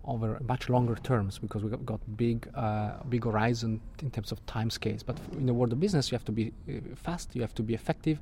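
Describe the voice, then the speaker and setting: A man's voice: mid-range voice, fairly even intonation, fairly quick, few pauses, a little mellow, a little hiss or hum. A middle-aged man from Switzerland, answering interview questions as a guest astrophysicist and often repeating words as he restarts.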